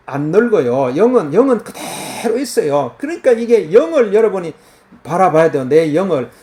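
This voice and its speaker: High-voiced fervent male preacher. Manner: earnest, repetitive, fervent preaching. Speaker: pastor. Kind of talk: sermon. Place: countryside, crickets and cicadas heard outside.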